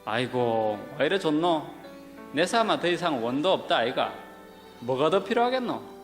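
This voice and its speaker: A man with a Gyeongsang dialect giving a comic, loud and folksy dialect reading of a scripture passage. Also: fairly high pitch, very animated. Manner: loud, rough and folksy, drawn-out delivery. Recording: played recording in a reverberant hall with music behind.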